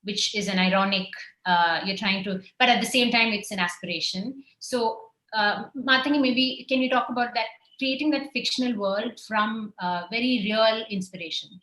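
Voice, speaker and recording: A woman's voice: on the high side, moderate pace, few pauses, a bit bright. A woman moderating a festival panel, speaking hesitantly with many fillers while she searches for words. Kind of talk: panel discussion. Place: festival venue. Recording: roomy hall.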